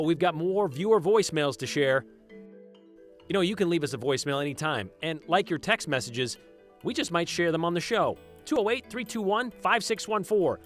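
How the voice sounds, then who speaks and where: Over background music, a man delivers news show teasers. His voice sits somewhat high and swings in a very lively way, selling each segment to viewers.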